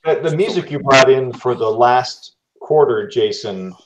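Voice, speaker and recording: A man's voice: medium pitch, unhurried, a crowd in the background. A man chatting casually on a podcast, talking in an effusive, meandering and thoughtful way. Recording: roomy, echoey, dull lo-fi call audio.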